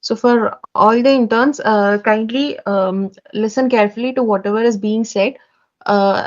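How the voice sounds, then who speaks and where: A woman running an online onboarding meeting for interns, polite and hesitant, with many fillers. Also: medium pitch. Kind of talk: online meeting, training briefing. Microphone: video call. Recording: dull lo-fi call audio.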